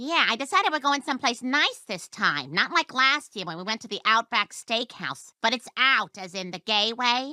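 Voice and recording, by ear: A woman performs a cartoonish character voice, fairly high in pitch with very wide pitch swings, at a moderate pace with hardly any pauses, in a dry, close sound with no echo.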